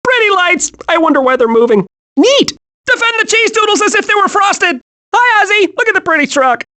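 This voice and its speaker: Hyperactive young male squirrel, game animation: very high, swooping, wide-eyed and childlike. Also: a little fast, exaggerated voice. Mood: giddy, excitable. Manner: excitable, naive, wide-eyed. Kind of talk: animated video game voice acting.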